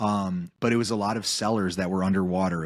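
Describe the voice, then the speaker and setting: Speaking at a fairly quick pace, a man with a very deep, low pitch comes through on a very clean recording with a silent background. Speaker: real estate team leader. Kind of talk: interview. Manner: fast; animated.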